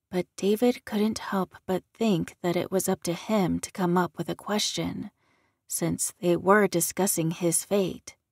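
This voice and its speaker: A woman with an unremarkable speaking voice talks at a fairly slow pace with fairly even intonation in a very clean recording with a silent background. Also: medium pitch for a woman. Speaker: audiobook narrator.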